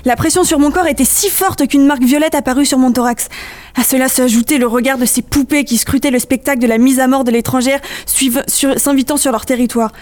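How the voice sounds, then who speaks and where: A woman reading aloud her own eerie first-person story, with measured storytelling. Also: high voice, fairly even intonation, a little mellow.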